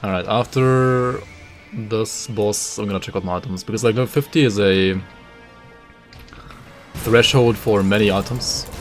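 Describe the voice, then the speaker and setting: A man, an English speaker, streaming a game and casually thinking aloud while answering chat, with many "like" fillers. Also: on the low side. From Germany. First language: German. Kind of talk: live gameplay commentary, reading chat.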